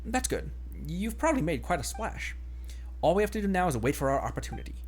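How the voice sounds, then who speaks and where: Man voicing a confident lady detective, pitched up. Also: sing-song, quick pace, slight background noise. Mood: self-assured. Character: confident woman detective, brisk and scheming, game character. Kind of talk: reading game dialogue aloud.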